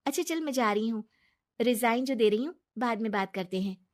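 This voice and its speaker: A woman's voice: on the high side, lively intonation, brisk, close to an everyday voice. A woman voicing a trusting, kind young wife in a cartoon story, talking in an earnest, chatty way. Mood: friendly. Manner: chatty, earnest everyday speech.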